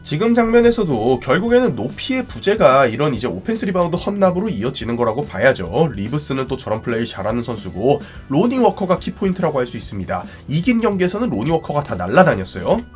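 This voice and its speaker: A man with a stuffy, cold-affected voice giving explanatory, analytical sports commentary over basketball highlights as the host. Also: big pitch swings, quick pace, hardly any pauses, faint music behind. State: has a cold, congested stuffy voice.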